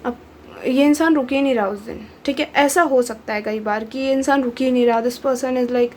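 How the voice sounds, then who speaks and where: A woman's voice: high voice, moderate pace, a little mellow, slight background noise. A woman giving a casual tarot reading, chatty and mixing Hindi with English, her voice a little off from being unwell. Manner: chatty, mixes Hindi and English, frequent fillers. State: unwell, voice slightly off. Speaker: tarot reader.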